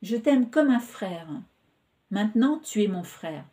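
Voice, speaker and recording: A woman's voice: mid-range voice, animated, slow, warm tone. A woman reading the part of an emotional young woman who pours out her affection in a pleading, impulsive way, in a storybook reading. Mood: pleading, tender.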